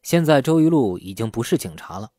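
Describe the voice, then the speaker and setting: A man's voice: mid-range voice, sing-song, a little fast, warm tone, dry recording, studio quality. A man voicing a shrewd, suspicious, outspoken man with an insistent manner in an audiobook. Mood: calm, knowing.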